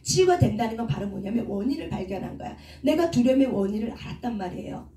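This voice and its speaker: Middle-aged woman, counselor and preacher, mellow tone, picked up from a distance in an echoey church hall. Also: a little high, lively intonation, quick pace. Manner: asks rhetorical questions and answers them herself. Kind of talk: teaching sermon with questions to the congregation. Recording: echoey room, speaker away from the mic.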